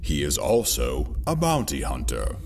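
An actor playing a calculating Imperial conspirator chairing a meeting, dry and deliberate, in an audio drama. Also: male voice, rumbling low, wildly swooping pitch, vocal fry, a little mellow, faint music behind, full character voice. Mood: ominous, measured. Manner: deliberate, dry, theatrical pauses.

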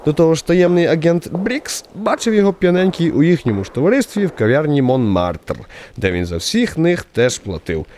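Expressive male radio-play narrator, lively pitch swings. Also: fairly quick, slight background noise. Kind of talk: expressive scripted literary narration.

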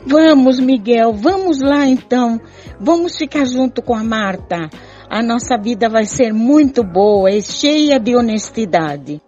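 Older woman as a slow, mellow coaxing mistress. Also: on the high side, animated. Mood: eager. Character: coaxing, self-assured mistress. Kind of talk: improvised amateur radio soap opera acting. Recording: muffled lo-fi audio with music.

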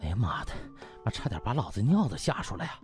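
A man's voice: lowish voice, sing-song, fast talker, darkish tone, soft background music, pitched below the performer's own voice. A man voicing crude, blustering male doctors who grumble and swear in a comic audiobook. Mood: shaken grumbling.

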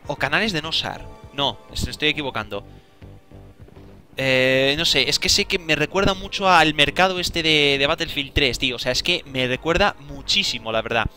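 A young man giving casual, excitable gameplay commentary, talking to himself and exclaiming often. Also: fairly high pitch, moderate pace, faint music behind. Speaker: gaming video creator.

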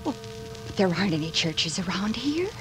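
A woman's voice: mid-range voice, sing-song, normal speed, music in the background, natural voice, rough recording. An actress playing a frightened young woman who talks anxiously and pleadingly, in 1940s radio acting.

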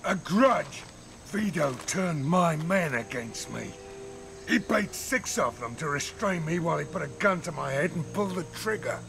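An actor playing a bitter, ruthless older male mercenary in a video game, gruff and profane with a gravelly voice. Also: on the high side, expressive, moderate pace, a bit bright. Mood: vengeful anger. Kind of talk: cinematic video game acting. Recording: dramatic music behind the voice.

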